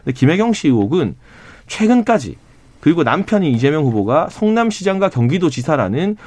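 A man's voice: on the high side, sing-song, darkish tone, no room sound. A man from a party's campaign side in a political talk show debate, arguing pointedly and critically. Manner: pointed, critical, rapid argument.

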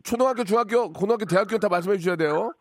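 A man hosting a phone-in radio show, teasing callers with deadpan banter. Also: high voice, rapid-fire, dry recording, clean studio sound. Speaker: radio host. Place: radio studio.

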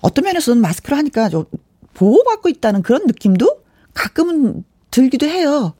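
A woman's voice: high voice, very animated, a little fast, mellow, dry recording, studio quality. A woman hosting a radio show, talking in a chatty, conversational way and reading out listener messages. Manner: chatty, conversational, often breaks into giggles. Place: radio studio. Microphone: close studio microphone.

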